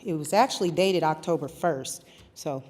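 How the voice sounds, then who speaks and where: A woman's voice: deep voice, moderate pace, a little mellow. A woman giving public comment at a city council meeting, speaking plainly and directly. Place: council chamber. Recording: reverberant council chamber.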